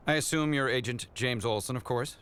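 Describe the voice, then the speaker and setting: A man's voice: medium pitch, brisk, fairly bright tone, clear, resonant tone, close to an everyday voice. A man voicing an arrogant, aloof genius scientist in a motion comic, smug, precise and condescending. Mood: brisk, smug.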